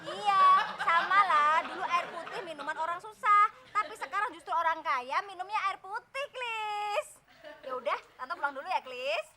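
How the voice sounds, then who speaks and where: A woman playing a chatty middle-aged neighbor mother, in a theatrical, shrill manner. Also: animated, normal speed, crowd noise. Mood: lecturing. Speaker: sketch comedy actor.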